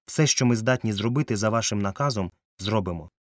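A man's voice: on the low side, brisk, no echo, natural voice. A man reading a loyal old sailor. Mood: earnest.

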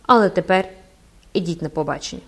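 A woman puts on a grim, ghostly man in a cloak, speaking low and cold. His voice sounds hollow, as if from beyond the grave. It is a storybook villain, quiet and menacing. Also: brisk. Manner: low, cold, sepulchral delivery.

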